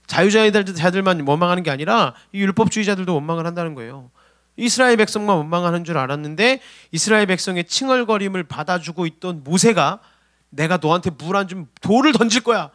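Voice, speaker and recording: A man preaching a sermon as a youth pastor, animated and acting out people's complaints in his own voice. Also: sits high, no echo, studio quality. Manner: animated, acts out quoted complaints. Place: church service.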